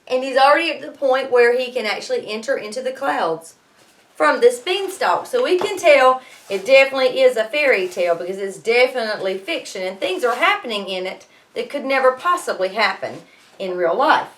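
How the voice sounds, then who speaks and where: Animated high-voiced woman teacher reading aloud. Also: brisk. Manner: expressive, explanatory. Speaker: schoolteacher reading to students. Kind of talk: storybook read-aloud with explanatory asides.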